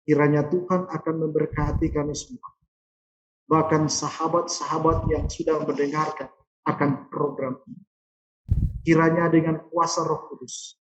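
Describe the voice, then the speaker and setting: A man, a pastor, teaching on scripture and then leading a closing prayer in a measured, solemn way. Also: on the high side, reverberant, highs cut off. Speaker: pastor, guest speaker.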